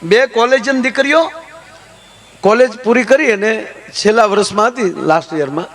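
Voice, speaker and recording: A man performing folk comedy on stage. He tells stories in a lively way and slips into character voices and chants. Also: high voice, moderate pace. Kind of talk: Gujarati folk comedy storytelling.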